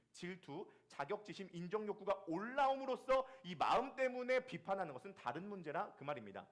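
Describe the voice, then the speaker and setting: Animated Korean pastor preaching. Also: male voice, a little high. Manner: lively storytelling with acted asides. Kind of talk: sermon.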